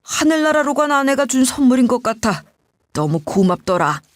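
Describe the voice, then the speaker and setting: A woman voicing a grieving, grateful middle-aged man who speaks softly and from the heart. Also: sits high, sing-song, moderate pace, no room sound, studio quality. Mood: heartfelt.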